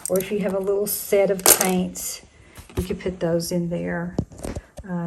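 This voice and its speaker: A woman in later life, a retired teacher, chatting casually to her vlog viewers in a slightly hoarse voice and thinking aloud as she goes. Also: on the low side, a little hiss or hum. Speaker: vlogger.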